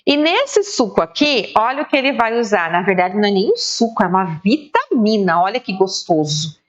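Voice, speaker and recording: A Brazilian Portuguese woman teaching an online reading lesson to young children, spelling out syllables slowly and praising them. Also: mid-range voice, sing-song, highs cut off.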